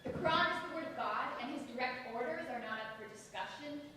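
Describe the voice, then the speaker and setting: An actress playing a proud, defiant young religious woman in a staged reading, speaking in forceful, challenging declarations. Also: sits high, brisk, natural voice. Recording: distant, very echoey stage recording, faint noise.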